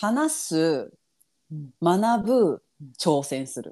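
This woman talks with very wide pitch swings. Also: quiet background. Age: 30s. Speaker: podcast co-host. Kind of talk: casual chat. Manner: animated.

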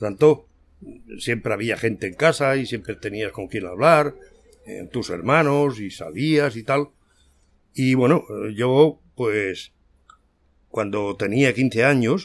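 Very slowly, a man speaks at medium pitch with lively intonation and long, frequent pauses. His loudness swings widely. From Spain. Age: 60s. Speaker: host's father. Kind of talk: casual chat. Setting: studio.

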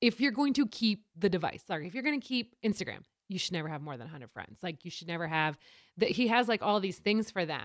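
An animated woman at a medium pitch, very fast, with very wide pitch swings and big swings in loudness, on a very clean recording with a silent background. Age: 30s. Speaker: social media expert. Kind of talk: casual chat.

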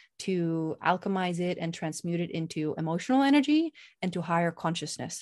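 The speaker has a Swedish accent. The background is quiet. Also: woman. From Sweden. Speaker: sex and birth coach. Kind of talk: interview.

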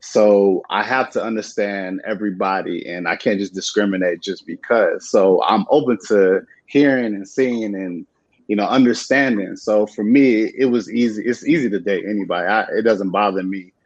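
Speaking at a moderate pace with an American accent, a man uses a plain, everyday voice that is fairly low in pitch, with ordinary pitch variation. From San Diego, California. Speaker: aspiring model. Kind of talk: casual chat.

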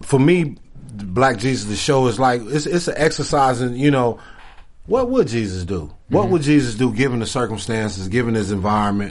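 This man has an ordinary speaking voice. He talks at a fairly quick pace. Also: medium pitch for a man, lively intonation. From Arkansas, raised in Los Angeles. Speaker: actor. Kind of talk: casual chat.

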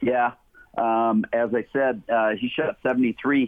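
A man uses an ordinary speaking voice at a medium pitch with ordinary pitch variation. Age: 60s. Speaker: golf radio host. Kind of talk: radio interview.

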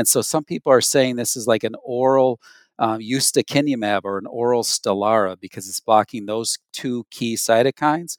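A man with an ordinary speaking voice talks at a moderate pace in a medium pitch with ordinary pitch variation. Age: 60s. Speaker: dermatologist and clinical trials investigator. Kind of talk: expert interview.

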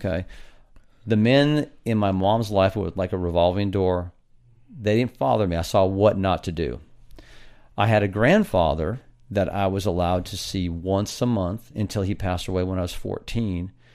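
Here is a man with a plain, everyday voice, fairly low in pitch. He speaks at a moderate pace with ordinary pitch variation. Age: 50s. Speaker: football coach and father. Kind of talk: casual chat.

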